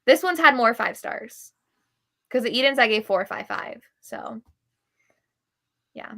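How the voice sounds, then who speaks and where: A woman with a bright, slightly crackly voice hosts a casual book livestream. She talks candidly and gives firm opinions in a conversational way. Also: fairly high pitch, lively intonation, unhurried, gravelly. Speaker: book reviewer and livestream host. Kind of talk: casual chat about books on a live show.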